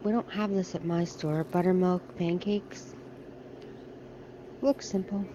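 A woman's voice: on the low side, fairly even intonation, takes it slowly, highs cut off, background noise. A middle-aged American woman vlogging casually as she shops in a large discount store, chatting and thinking aloud about products into a handheld phone. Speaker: shopping vlogger. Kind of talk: casual shop-with-me vlog. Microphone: handheld phone camera.

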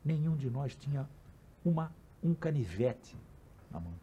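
A man's voice: fairly high pitch, big pitch swings, a little slow, dark tone, slight background noise. A man recalling events in an earnest documentary interview, stressing his words. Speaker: interviewee, former student activist.

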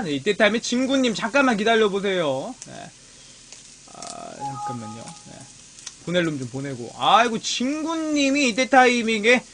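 High bright-voiced man chatting while grilling. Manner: chatty, teasing, talks to chat as friends. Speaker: live-stream mukbang host. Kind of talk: casual live-stream chat while grilling. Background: meat sizzling on a grill.

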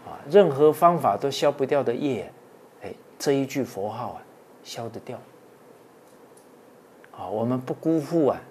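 A man, a Buddhist monk, giving a dharma talk with many drawn-out "ah" and "oh" fillers, earnest and exhorting. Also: medium pitch, darkish tone, a little hiss or hum.

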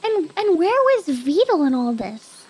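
A woman chatting casually as a vtuber guest, giggly and excitable. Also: extremely high pitch, unhurried, rough recording. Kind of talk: casual stream chat.

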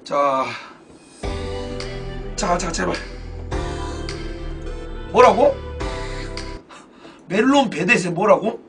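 Excitable high-voiced Korean game streamer. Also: male voice, extremely slow, long pauses. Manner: excitable, loud outbursts, frequent swearing. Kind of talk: casual live-stream commentary. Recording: distant mic with game music behind.

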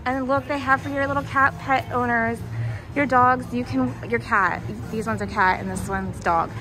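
High-voiced enthusiastic American woman vlogger. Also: steady tone, moderate pace, rough recording. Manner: enthusiastic, gushing over items. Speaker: shopping vlogger. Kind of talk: casual shop-with-me commentary. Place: inside a discount retail store. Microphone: handheld camera or phone, held by the speaker. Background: music.

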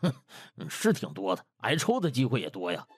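A man's voice: mid-range voice, huge pitch swings, normal speed, husky, dry recording, clean studio sound. A man voicing a chubby household cook with a knowing, sneering manner in a comic audiobook.

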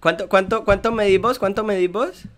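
Chatty Colombian host, clear voice. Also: male voice, high-pitched, fairly even intonation, a little fast, fairly bright tone. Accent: Colombian Spanish. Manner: chatty, repeats words as he searches for them. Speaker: interviewer. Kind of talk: casual video-call interview. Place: small room at home. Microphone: headset.

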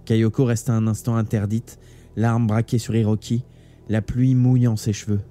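Man narrating a novel, warm voice. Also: lowish voice, moderate pace. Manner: steady, dramatic storytelling. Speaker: audiobook reader. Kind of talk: live audiobook narration. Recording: faint background music.

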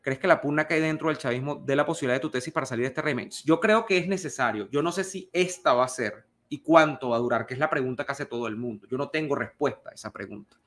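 A man's voice: medium pitch, quick pace, few pauses, a bit bright. A middle-aged man with a Venezuelan Spanish accent, speaking as a commentator who talks things through thoughtfully and carefully, often restarting words. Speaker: political commentator answering a viewer question. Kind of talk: casual spoken commentary.

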